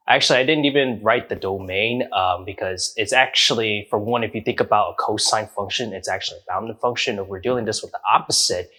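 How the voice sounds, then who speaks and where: A man's voice: on the low side, sharp tone. A man explaining a math problem step by step in a casual, hesitant way, with many ums and restarts. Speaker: math tutor.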